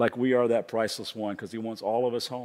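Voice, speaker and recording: A man speaks at a medium pitch with a slight Kentucky accent. The recording is very clean, with a silent background. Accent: slight Kentucky Southern. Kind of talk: sermon. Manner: animated.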